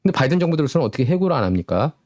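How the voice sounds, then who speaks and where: A man's voice: medium pitch, very animated, racing, a little mellow. A man hosting a solo political commentary show, sarcastic and full of rhetorical questions.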